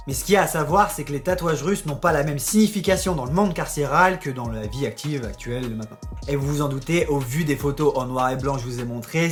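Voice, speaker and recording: A man hosting a tattoo vlog, explaining in a chatty, joking way and talking straight to his viewers. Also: a little high. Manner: chatty, addresses viewers directly, joking asides. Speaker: tattoo YouTuber.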